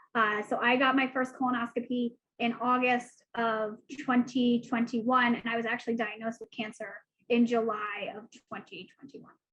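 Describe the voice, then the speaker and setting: A woman speaks in a flat monotone, her loudness swinging widely. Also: fairly high pitch for a woman, moderate pace. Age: 30s. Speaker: patient advocate. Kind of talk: testimony.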